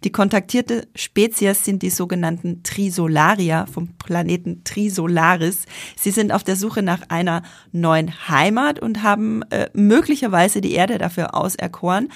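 A woman's voice: lowish voice, moderate pace, gravelly, no room sound, clean studio sound. A woman with an Austrian accent, chatting casually on a podcast about an upcoming series, with many fillers and restarts. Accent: Austrian German. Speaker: podcast co-host, film journalist.

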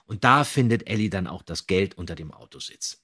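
A man's voice: low voice, expressive, a little fast, pushed and bright, husky. A man co-hosting a podcast, retelling and discussing a story in a casual way. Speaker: podcast co-host.

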